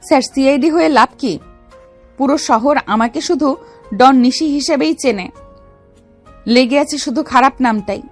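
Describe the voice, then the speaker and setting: A woman's voice: high voice, a little slow, pauses often. A woman playing a bold young female gangster and secret officer in a dramatized love story, commanding yet affectionate. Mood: firm, proud. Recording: music under the voice.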